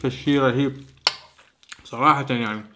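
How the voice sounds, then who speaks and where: A man's voice: medium pitch, fairly even intonation, normal speed, over music. A man in his thirties with an Iraqi Arabic accent, hosting a food challenge and chatting between mouthfuls. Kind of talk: casual eating vlog. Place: small indoor home studio.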